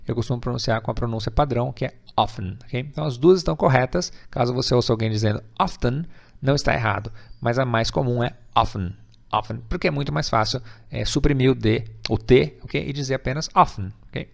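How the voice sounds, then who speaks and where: A Brazilian man with a Brazilian Portuguese accent teaching English pronunciation, explaining patiently, repeating words slowly and often checking with "ok?". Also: medium pitch, vocal fry. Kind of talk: pronunciation lesson.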